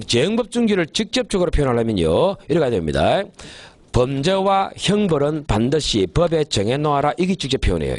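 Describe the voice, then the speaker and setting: A man lecturing on criminal law for an exam course, emphatic and often checking that the class follows, slowing down to dictate key phrases. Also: medium pitch, darkish tone, dry recording. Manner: emphatic, keeps asking the class to confirm.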